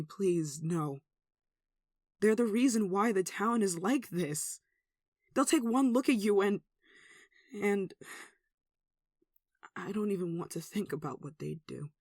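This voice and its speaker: A performer with a mid-pitched voice playing an anxious, devout, caring villager in an earnest, hesitant ASMR roleplay. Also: dry recording, clean studio sound, lightly acted. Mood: alarmed, pleading. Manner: earnest, hesitant, soft sighing delivery. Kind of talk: ASMR roleplay audio drama.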